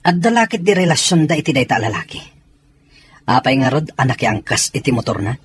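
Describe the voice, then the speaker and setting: A man's voice: mid-range voice, sing-song, fairly quick, husky, dry recording. A man playing a stern, suspicious soldier in a serial drama, with a firm, questioning manner. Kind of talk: Ilocano serial drama acting.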